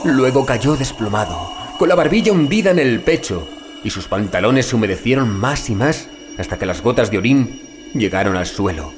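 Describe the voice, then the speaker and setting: A man narrating a horror audiobook as a shaken witness recounting grim events, in grave, literary, deliberate phrasing. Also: mid-range voice, animated, lightly acted. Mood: tense, horrified. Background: music behind the voice.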